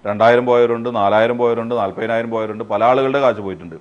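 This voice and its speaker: A man's voice: medium pitch, fairly even intonation, highs cut off. A man giving an unscripted interview account, hesitant and searching for words, mixing in English words. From Thrissur district, Kerala, India. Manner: halting, hesitant, frequent word searching, English words mixed in. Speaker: interviewee, fraud victim.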